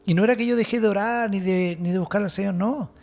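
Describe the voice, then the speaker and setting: A man with a Chilean accent preaching a sermon as pastor, fervent, his points sometimes trailing off to a hush. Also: high-pitched, fast talker.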